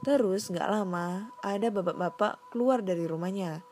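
A woman's voice: medium pitch, moderate pace, darkish tone. A young woman narrating a first-person horror story in slangy, casual, dramatic storytelling over a noisy recording. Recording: noisy background hiss.

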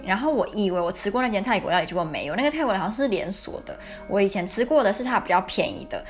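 A young Taiwanese woman with a Taiwanese Mandarin accent hosts a podcast, her mid-range voice a bit bright. She tells personal stories in a chatty, candid, confiding style, casual storytelling chat.

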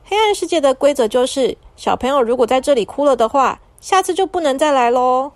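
A woman voicing a kind young woman in a white robe who gently explains rules to children in a bedtime story. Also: high voice, expressive, fairly quick, no room sound. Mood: gently explaining. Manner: soft, explaining, coaxing.

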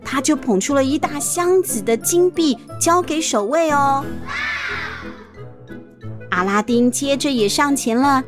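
A woman's voice: sits high, lively intonation, measured pace, pauses often. A woman narrating a children's storybook in a chatty way, stopping to explain things. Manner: chatty, explanatory asides with sentence-final particles. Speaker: storyteller, host. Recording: faint music behind the voice.

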